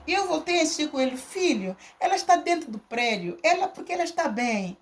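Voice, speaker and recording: A woman's voice: high voice, very animated, fast. A middle-aged woman telling a personal testimony in an emphatic, repetitive way, acting out the dialogue as she goes. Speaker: church speaker giving testimony. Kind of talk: personal testimony to a congregation, storytelling.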